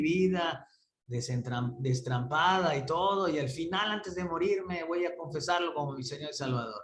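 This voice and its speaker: A man speaks at a moderate pace. His voice is fairly high, with ordinary pitch variation. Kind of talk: sermon. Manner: soft-spoken.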